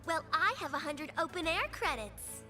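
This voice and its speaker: A bubbly, gushing young woman in a video game, with a very high, bright voice that leaps around. She sounds eager about everything. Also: animated, normal speed, faint music behind, exaggerated voice. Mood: excited. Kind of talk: dubbed video game dialogue.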